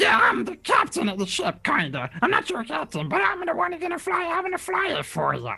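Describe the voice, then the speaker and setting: A put-on character voice, high-pitched, at a fairly quick pace with hardly any pauses. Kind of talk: comic fantasy character voice. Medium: actual play. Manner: fast, excited, rambling.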